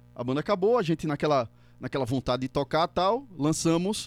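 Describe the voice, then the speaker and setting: A man talks at a fairly quick pace in a fairly high pitch, with music in the background. The sound is dry and close, with no echo. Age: 30s. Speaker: entrepreneur. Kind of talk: casual interview chat.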